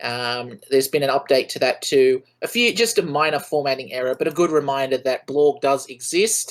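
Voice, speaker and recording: With an Australian accent, the speaker keeps a moderate pace and hardly pauses at all. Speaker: podcast co-host. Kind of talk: casual chat. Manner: hesitant, many fillers and repetitions.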